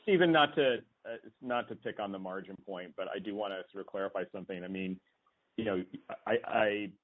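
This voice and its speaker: Male analyst, very low voice, filler-heavy, phone-line audio. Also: fairly quick. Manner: hesitant, filler-heavy questioning. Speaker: financial analyst. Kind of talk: earnings call questions.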